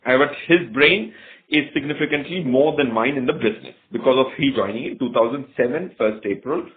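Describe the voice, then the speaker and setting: A man's voice: medium pitch, brisk. A man with an Indian accent, a company executive answering investors in a rambling way with repeated phrases on an earnings call. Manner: rambling, repeats phrases, switches between English and Hindi. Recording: narrow-band conference call audio.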